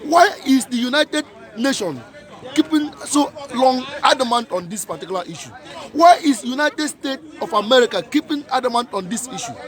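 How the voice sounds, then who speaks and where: Man, high voice, rallying a street protest, faint crowd behind. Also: expressive, normal speed, a bit bright. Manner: repetitive, emphatic rhetorical questions. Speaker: protest speaker. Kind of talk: impassioned outdoor protest speech.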